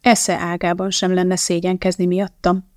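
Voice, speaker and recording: A woman reading an audiobook, voicing a calm, unflinching young woman scientist who speaks in a matter-of-fact way. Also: lowish voice, no room sound, clean studio sound, lightly acted. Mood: calm and firm.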